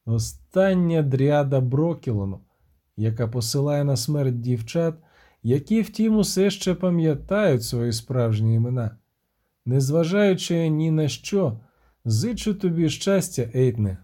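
A man voicing a weary, grim middle-aged witcher, speaking in a measured, dry and somber way in a storybook reading. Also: mid-range voice, animated, dark tone, close to an everyday voice.

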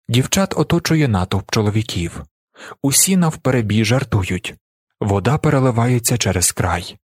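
A man reading a literary novel aloud as an audiobook narrator, with expressive delivery. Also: medium pitch, husky, no room sound, studio quality.

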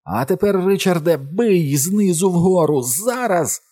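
A man's voice: sits low, steady tone, moderate pace, slightly rough. Man voicing a fierce wounded huntress. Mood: shouting. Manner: urgent whispers and loud battle calls. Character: badly wounded woman hunter, fierce and proud.

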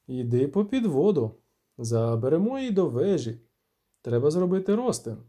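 Old scornful wizard , man reading, dark mellow tone, voice jumps high and low. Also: very animated, normal speed. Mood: grave.

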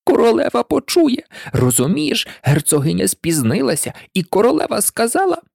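A woman voicing a timid, anxious male white rabbit who talks in a nervous, hushed way in an audiobook. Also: medium pitch, huge pitch swings, normal speed, vocal fry, no echo, studio quality, voice pushed up, full character voice. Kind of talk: audiobook character voice.

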